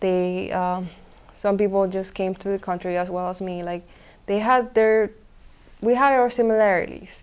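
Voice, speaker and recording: At a fairly slow pace, a woman with an Ecuadorian accent speaks at medium pitch. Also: very clean recording, silent background. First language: Spanish. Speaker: college student. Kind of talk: interview testimony. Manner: hesitant with many fillers.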